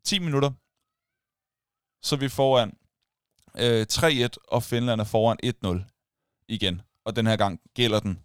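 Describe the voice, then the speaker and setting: A man co-hosting a casual chat, telling a story with energy and acting out the shouts of others. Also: mid-range voice, pauses often, clean tone, no echo, studio quality. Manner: animated storytelling, acts out crowd shouts.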